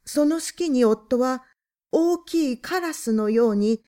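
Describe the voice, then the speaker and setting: A woman narrating a literary story aloud in a calm, measured, hushed first-person voice. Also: high voice. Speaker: audiobook narrator.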